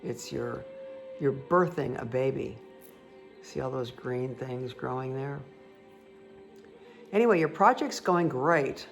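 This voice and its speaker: A woman with a croaky voice giving a casual, chatty tarot card reading that speaks directly to the listener. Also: very deep voice, takes it slowly, long pauses. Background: background music.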